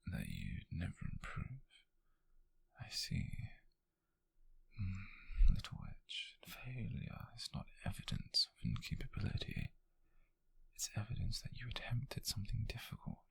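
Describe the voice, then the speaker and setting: A British man playing a gentle, teasing witch mentor in an ASMR roleplay, speaking in a breathy, hushed half-whisper with soothing, intimate phrasing. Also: lowish voice, huge pitch swings, no echo, heavily acted. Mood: gentle, reassuring. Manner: soothing, intimate, unhurried, softly formal phrasing. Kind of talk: ASMR roleplay addressed to the listener.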